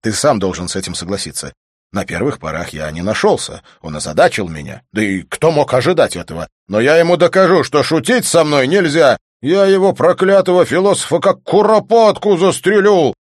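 A male reader puts on a young landowner boiling with jealousy, his voice climbing high and rushing. The reading is close and dry, with lively swings in pitch. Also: dry recording. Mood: furious. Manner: shouting, raised and fast in outbursts.

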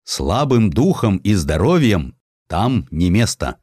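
A man's voice: on the low side, sing-song, slow, a little mellow, slightly rough, no room sound, studio quality, exaggerated voice. A man voicing a hardened, proud Cossack warlord in an audiobook, with a weighty, declamatory manner. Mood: solemn, commanding.

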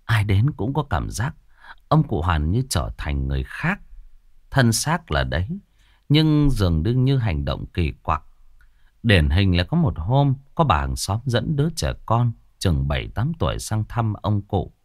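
A man's voice: on the low side, big pitch swings, unhurried, no room sound, studio quality. Man telling a ghost story in a swooping voice. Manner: dramatic, swooping delivery.

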